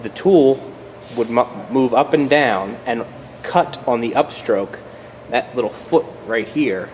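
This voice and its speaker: A man from the United States with a medium-pitched, darkish voice speaks slowly, recorded in a large hall with slight hiss or hum. He hosts a casual vlog tour of a machine shop at an outdoor engine show, easygoing and repeating words as he thinks and stumbles through explanations.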